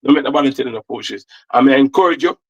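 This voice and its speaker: A man's voice: mid-range voice, quick pace, dull audio. A Jamaican man, a football analyst, chatting casually and rambling with repeated words. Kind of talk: casual chat.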